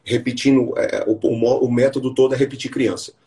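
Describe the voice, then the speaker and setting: A man who teaches English, hosting a live podcast chat and explaining his method with lively stories. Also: mid-range voice, fairly quick. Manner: explanatory, enthusiastic storytelling.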